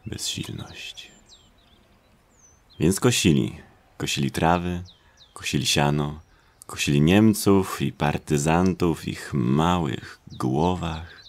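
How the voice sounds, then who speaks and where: A man narrating a horror audio drama in a brooding way, in short, pause-laden phrases. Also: very deep voice, gravelly. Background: atmospheric sound effects.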